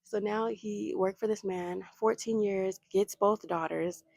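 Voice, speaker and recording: Vlogger, female, gravelly and husky, chatty outdoor recap, dry close sound. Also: medium pitch, steady tone, unhurried, darkish tone, dry recording. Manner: chatty, retells with quoted voices. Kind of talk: casual Bible study recap. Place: outdoors near traffic.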